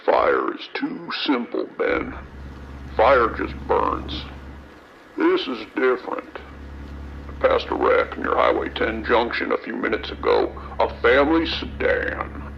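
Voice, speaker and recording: A man playing an eerie, morbidly fascinated trucker in a horror audio drama, savoring each phrase with slow, unhinged calm over a muffled CB radio. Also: medium pitch, creaky, heavily acted. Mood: morbidly entranced. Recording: muffled CB radio with faint noise.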